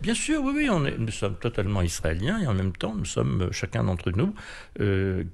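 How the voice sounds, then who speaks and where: A man's voice: fairly low pitch, huge pitch swings, moderate pace, gravelly. A man with a French accent, a guest giving thoughtful, hesitant answers in an interview. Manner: hesitant, thoughtful, many fillers and restarts. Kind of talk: reflective conversational interview.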